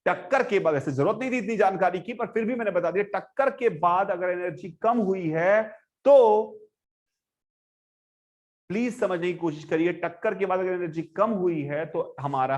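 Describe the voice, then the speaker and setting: A man lecturing a physics class, switching between quiet and loud talk as he works problems and speaks to his students. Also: sits high, normal speed. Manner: animated, swings between soft and loud, addresses students directly. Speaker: physics teacher.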